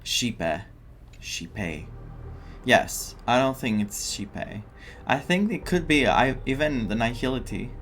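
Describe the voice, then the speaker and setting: Slow-paced man casually reacting to a game. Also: mid-range voice, lively intonation, fairly bright tone, faint music behind. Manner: informal, thinking aloud. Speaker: gaming streamer.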